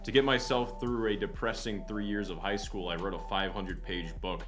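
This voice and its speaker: A young man with a fairly low voice, rambling through a casual livestream chat. He is self-deprecating and swears offhandedly. Soft lofi beats play faintly underneath. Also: steady tone, moderate pace. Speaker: guest content creator. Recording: lofi music playing faintly behind.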